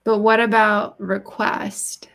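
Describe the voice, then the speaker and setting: A woman whose first language is Russian, co-hosting a live coding stream and calmly explaining each step. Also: medium pitch, slow pace, vocal fry. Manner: calm and methodical, explains steps. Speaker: co-host walking through code. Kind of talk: casual live-stream chat.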